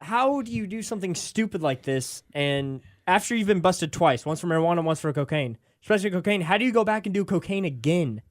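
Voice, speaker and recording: A man's voice: high voice, animated, a little fast, hardly any pauses. A young American man co-hosting sports talk radio, chatting in an informal, conversational way.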